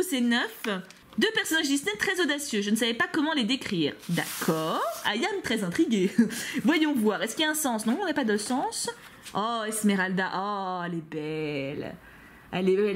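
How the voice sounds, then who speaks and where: A young woman from France opening fan mail for her viewers, gushing and teasing, often stumbling over repeated words. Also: medium pitch. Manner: gushing and excitable, stammering repeats; playful teasing asides. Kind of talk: casual unboxing vlog, talking to viewers.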